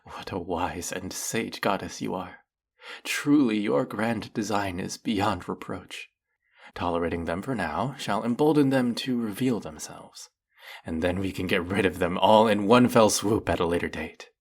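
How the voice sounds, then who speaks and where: A man's voice: low-pitched, a little slow, slightly rough, exaggerated voice. A man playing a fanatically devoted, lovestruck male demon servant in a fantasy audio roleplay, speaking in a formal, theatrical, over-the-top reverent way. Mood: gushing devotion. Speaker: voice actor.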